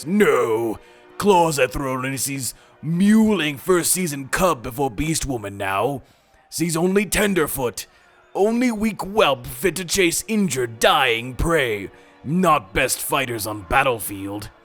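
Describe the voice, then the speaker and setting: A man puts on a gruff character voice with a fairly high pitch. He goes at a fairly slow pace over faint music in the background. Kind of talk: clipped, broken grammar. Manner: snarling, defiant.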